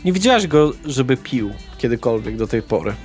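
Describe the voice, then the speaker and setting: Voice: mid-range voice, very animated, fairly quick, a little mellow. A game master narrating a tabletop role-playing session in a casual, colloquial way. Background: music.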